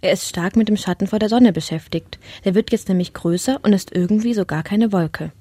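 A woman's voice: mid-range voice, brisk, warm tone, breathy edge, no echo, natural voice. A woman narrating a humorous rhyming poem with a playful rhythm.

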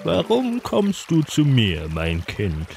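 A wise old female toad who gives solemn pronouncements, voiced by a man. The speech is very slow and the pitch rolls up and down dramatically. It comes from a comic audio play. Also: huge pitch swings, vocal fry, over loud music, full character voice.

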